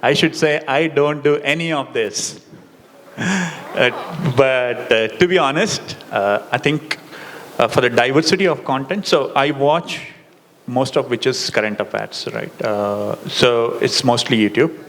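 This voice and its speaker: Deep-voiced South Indian man, echoey hall. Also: a little slow, fairly bright tone. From Karnataka, India. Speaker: symposium panelist. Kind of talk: on-stage rapid-fire interview answers. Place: large indoor hall with audience. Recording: echoey hall, noisy room sound.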